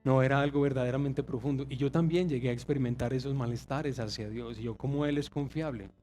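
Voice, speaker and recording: A man's voice: medium pitch, steady tone, quick pace, a little mellow, faint music behind. A man, preaching a confessional sermon and acting out quoted voices. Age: 30s. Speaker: pastor.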